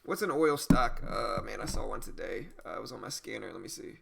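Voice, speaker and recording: Against a noisy background, a man with a fairly low, gravelly voice talks a little fast. He's a day-trading livestream host from Louisiana with a slight Cajun accent, reading viewer comments in a relaxed, conversational way and often saying "you know."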